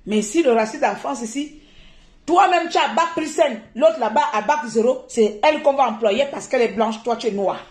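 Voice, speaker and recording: A woman from Gabon, talking on a live stream in an animated, indignant way and laughing often. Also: a little high, normal speed, roomy sound.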